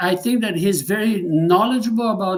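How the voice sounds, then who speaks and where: A man speaks at a moderate pace with a Czech accent. His pitch varies in an ordinary way. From Czech Republic. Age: 70s. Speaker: former church member, guest. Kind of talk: casual chat.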